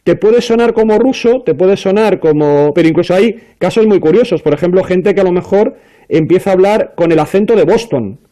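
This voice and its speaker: A man's voice: high-pitched, lively intonation, brisk, dark tone. A man on a talk panel, explaining at length with many fillers and restarts. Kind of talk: casual panel discussion.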